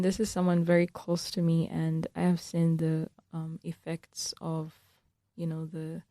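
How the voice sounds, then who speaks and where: Low-voiced young woman from Uganda, gravelly. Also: darkish tone, no echo, studio quality. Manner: earnest, thoughtful, frequent ums. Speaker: student guest. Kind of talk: radio interview answers. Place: radio studio.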